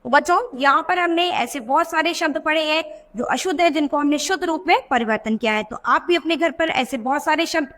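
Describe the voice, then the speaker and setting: A woman's voice: high-pitched, a little fast, few pauses, fairly bright tone. A woman teacher giving a grammar lesson to young schoolchildren, explaining patiently, repeating each word and asking the class questions.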